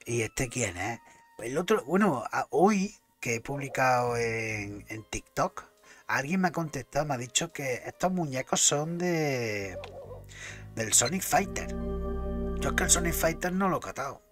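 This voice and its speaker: A man's voice: medium pitch, animated, measured pace, a bit bright, soft background music. A man casually commentating a game, chatting to himself and swearing now and then. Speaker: gameplay commentator.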